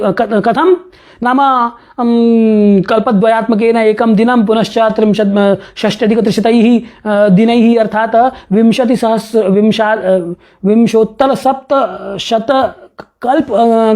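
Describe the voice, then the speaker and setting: Lecturing on an old astronomy text, this male professor reads each verse at an unhurried pace before explaining it through rhetorical questions and little chuckling asides. He has a high voice with a somewhat dark tone.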